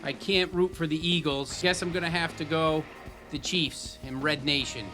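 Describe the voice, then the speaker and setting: A man's voice: fairly high pitch, fairly even intonation, moderate pace, music in the background. A man giving a casual on-camera answer as an interviewee.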